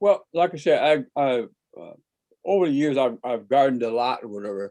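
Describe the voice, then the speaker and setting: With an American accent, a man speaks very fast, his pitch swinging very widely, in a dry, close sound with no echo. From Wisconsin, US Midwest. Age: 70s. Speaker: retired food inspector, gardener. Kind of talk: panel discussion. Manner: halting, repetitive.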